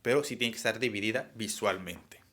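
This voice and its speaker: A man's voice: on the low side, fairly quick, sharp tone. A young man explaining a lesson, with frequent fillers and restarts. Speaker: teacher. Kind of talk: online class lecture.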